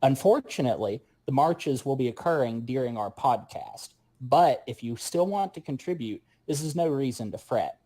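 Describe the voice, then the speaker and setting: A man from a show's cast giving a prepared announcement in formal, measured wording. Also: medium pitch, expressive, dark tone, low-quality recording. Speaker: show cast member.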